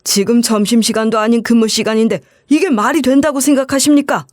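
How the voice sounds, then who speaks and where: A woman's voice: fairly high pitch, steady tone, brisk, darkish tone, no room sound, clean studio sound, lightly acted. A woman voicing a stern company chairman. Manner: formal, commanding. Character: stern middle-aged male company chairman.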